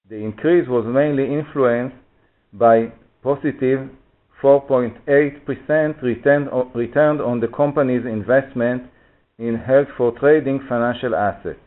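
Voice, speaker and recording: Man on a tinny phone line. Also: mid-range voice. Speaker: finance executive presenting results. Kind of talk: scripted financial presentation. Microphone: conference call phone line.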